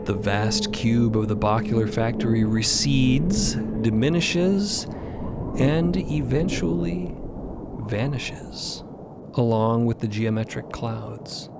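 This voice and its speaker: A man's voice: medium pitch, takes it slowly, gravelly, heavy background noise. A man giving scripted, literary narration for an audio drama. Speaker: narrator and voice actor. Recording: loud music behind.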